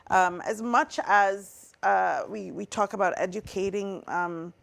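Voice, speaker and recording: A woman's voice: mid-range voice, takes it slowly, gravelly, a bit bright. A middle-aged woman from Trinidad and Tobago, a guest talking earnestly and reflectively in an interview, with many fillers. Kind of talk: interview conversation.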